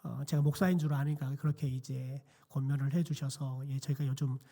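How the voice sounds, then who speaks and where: A middle-aged man, a pastor, preaching a quiet sermon in a church with a hoarse, nearly lost voice and many hesitant fillers. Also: medium pitch, little pitch movement, fairly quick. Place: church sanctuary.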